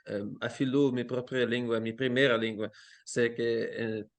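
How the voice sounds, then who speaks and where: A Dutch-speaking language teacher, a male guest, talks slowly and hesitantly in a casual interview at his Amsterdam home. His pitch is medium and his tone steady, but he searches for words, with many fillers and restarts.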